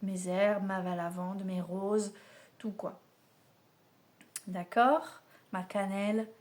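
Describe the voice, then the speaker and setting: A woman's voice: mid-range voice, steady tone, slow pace, a little mellow. A woman giving a casual spiritual oracle card reading to camera, chatty and familiar, speaking straight to the listener. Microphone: camera mic, filmed mirrored.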